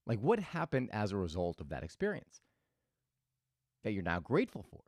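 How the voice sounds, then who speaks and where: A man's voice: on the low side, huge pitch swings, moderate pace, darkish tone, dry recording, clean studio sound. A man hosting a reflective motivational talk, telling stories thoughtfully with frequent restarts. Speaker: host.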